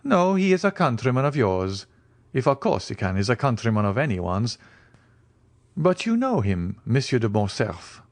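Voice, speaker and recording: A man's voice: mid-range voice, big pitch swings, normal speed. A man voicing a mysterious, self-assured aristocratic count in an audiobook, speaking formally, precisely and with lofty composure. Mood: composed. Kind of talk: audiobook character dialogue.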